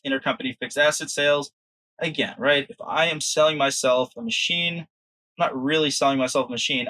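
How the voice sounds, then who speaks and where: A man with a slightly high voice teaches in an informal lecture style, recorded close and dry. He sounds like a coach, conversational and reassuring, often tagging points with a questioning check-in. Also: pushed and bright, no echo, rough recording. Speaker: exam prep instructor.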